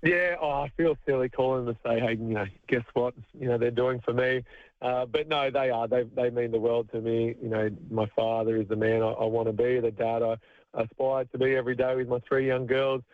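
An Australian man in his thirties, a retired basketball player, tells long stories down a tinny phone line. His voice sits at an ordinary middle pitch and he often laughs as he talks. The sound is dry and narrow. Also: flat delivery, brisk, dry recording. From country New South Wales, Australia. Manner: chatty storyteller, laughs often. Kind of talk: radio phone interview.

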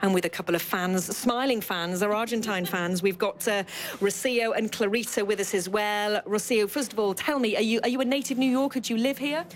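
A woman presenting a sports radio show live from a sports bar, interviewing fans in a lively, chatty way. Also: medium pitch, fairly quick, a little hiss or hum, low-quality recording.

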